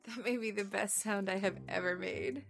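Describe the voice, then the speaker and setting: A woman's voice: mid-range voice, normal speed, gravelly, fairly bright tone, soft background music. A woman voice actress recording lines into a studio microphone, playful and self-mocking as she chats between takes. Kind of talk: voice recording session outtakes.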